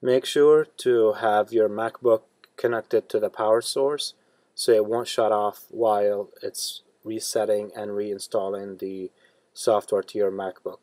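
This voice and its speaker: A man hosting a step-by-step tech tutorial in a plain, steady instructional manner. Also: lowish voice, unhurried, dry recording. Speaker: tutorial host.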